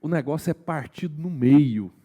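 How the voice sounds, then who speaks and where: Preaching conversationally, a Brazilian pastor with a Brazilian Portuguese accent and a voice on the high side keeps asking his congregation questions. His delivery alternates between slow, hushed emphasis and raised, energetic bursts.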